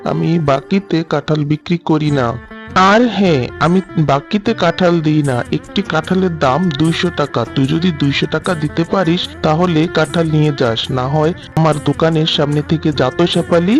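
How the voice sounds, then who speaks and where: A man voicing a gruff, stingy tiger uncle who sells fruit in a cartoon, brushing off a customer with scolding words. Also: on the high side, a little fast, soft background music, lightly acted. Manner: scolding, dismissive. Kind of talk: cartoon voice acting.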